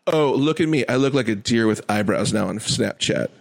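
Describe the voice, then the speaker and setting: A man playing an excitable, scheming young shopper in a comedy sketch, gushing and repeating himself in youthful slang. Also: mid-range voice, normal speed, creaky. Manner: gushing, exclamatory, repetitive, teen-like slang.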